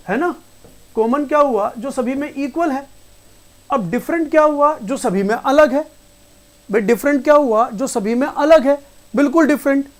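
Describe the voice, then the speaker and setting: A man teaching English vocabulary in a live online class. He repeats every point, asks the class questions, and calls the students "beta". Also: very high voice.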